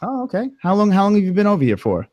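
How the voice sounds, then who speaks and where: NY-accented male host, animated pitch, dry close sound, jokey and loose. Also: rapid-fire, no echo, lo-fi sound. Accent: New York. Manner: joking, laughs often, stumbles over words. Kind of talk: casual livestream interview.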